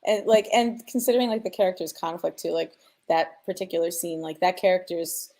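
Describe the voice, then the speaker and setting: A woman with a fairly low voice and plenty of creak speaks as a sound designer on a panel. She explains things informally, thinking out loud and posing questions as she goes. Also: steady tone, fairly quick. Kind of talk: casual explanatory panel talk.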